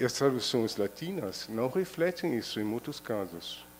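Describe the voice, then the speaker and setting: A man with a German accent at a fairly slow pace. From Germany. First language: German (speaking Portuguese). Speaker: audience member. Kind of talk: question from the audience. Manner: halting.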